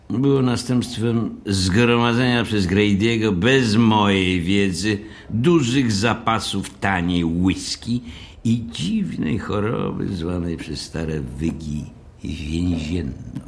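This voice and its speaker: An actor playing a stiff, condescending hotel manager with formal, measured speech in an audio drama. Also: male voice, lowish voice, gravelly. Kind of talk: audiobook radio play acting.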